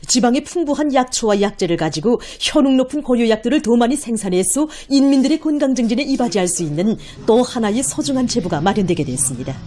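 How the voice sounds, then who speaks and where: A woman's voice: on the high side, expressive, fast, hardly any pauses, warm tone. A woman with a North Korean accent narrating formal broadcast news in an emphatic, declamatory cadence.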